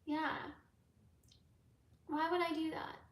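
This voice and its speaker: Slow, high-voiced woman in an echoey room. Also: flat delivery. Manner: rambling, laid-back, with frequent fillers. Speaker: tarot reader and YouTuber. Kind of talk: live Q&A chat with viewers.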